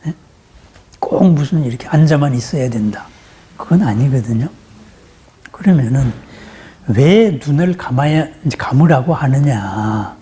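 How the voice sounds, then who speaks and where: A man's voice: medium pitch, lively intonation, measured pace, pauses often, dark tone, husky. A man giving a teaching sermon on meditation practice. He explains step by step and keeps checking in with his listeners through short questions. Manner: conversational, uses rhetorical questions. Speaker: Buddhist teacher.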